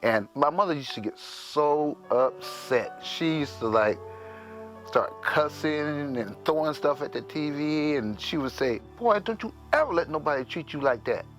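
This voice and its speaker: A man's voice: fairly high pitch, lively intonation, a little slow, fairly bright tone, faint music behind. An older man reminiscing casually in an interview, colloquial and plainspoken.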